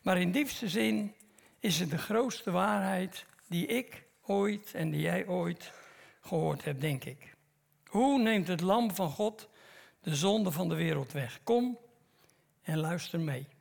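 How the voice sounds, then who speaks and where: A middle-aged man preaching in church, telling a parable slowly and dramatically, with long pauses. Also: high voice, animated, gravelly. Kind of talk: sermon storytelling.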